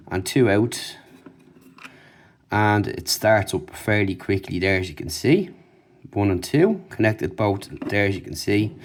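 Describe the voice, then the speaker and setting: Low-voiced man doing a casual product review. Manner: informal, off-the-cuff demonstrating. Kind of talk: casual unboxing and review commentary.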